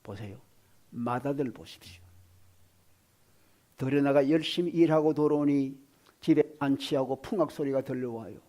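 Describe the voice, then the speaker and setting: A male pastor preaching a sermon, swinging from loud exclamations to hushed whispers and asking the congregation questions. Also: medium pitch, moderate pace, pauses often.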